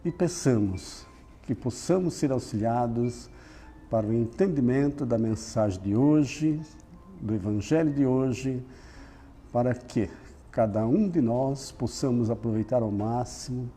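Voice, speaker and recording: A man with a Brazilian accent leading a slow guided opening prayer in a soothing, solemn manner. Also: mid-range voice, warm tone, soft background music. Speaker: prayer leader at a spiritist center.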